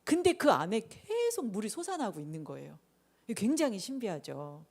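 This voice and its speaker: A woman's voice: mid-range voice, big pitch swings, moderate pace, darkish tone. A woman preaching to children in a casual storytelling way, acting out quotes and asking the kids questions. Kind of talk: sermon to children.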